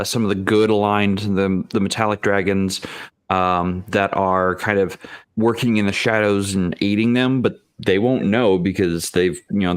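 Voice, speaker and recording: Male panelist, low voice, casual and halting as he thinks aloud, recorded dry. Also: dry recording. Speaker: panelist and game master. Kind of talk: casual discussion.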